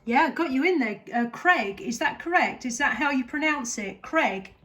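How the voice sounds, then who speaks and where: A woman's voice: sits high, animated, moderate pace, noisy background. A woman with a southern English accent, chatting casually and appreciatively as an amateur radio operator. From southeast England. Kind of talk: casual radio contact chat.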